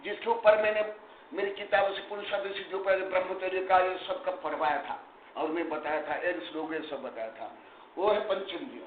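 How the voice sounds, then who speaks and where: A man's voice: high voice, brisk. A man teaching a scripture study class as a monk-teacher, emphatic and chiding, dropping English terms into his speech. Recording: echoey room, tinny phone-like sound, faint noise.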